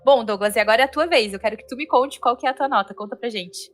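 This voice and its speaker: A woman's voice: fairly high pitch, fast. A Brazilian woman giving her opinion in casual panel chat, informal and emphatic, repeating words for stress. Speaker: panelist on a reaction show. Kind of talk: casual spoken review chat. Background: music.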